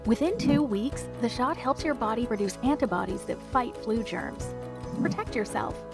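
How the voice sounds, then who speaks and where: A woman reading a public service announcement in an earnest, measured way. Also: a little high, lively intonation, over music.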